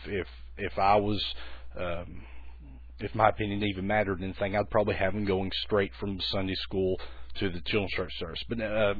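Man with a low bass voice, husky, folksy teaching tone, dry tinny recording. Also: no room sound. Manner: folksy, conversational, many restarts. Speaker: children's ministry teacher.

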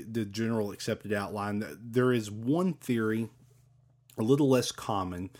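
A man's voice: on the low side, darkish tone. A man talking casually and eagerly, rambling with many fillers and restarts as he explains. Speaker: podcast host talking about ancient coins.

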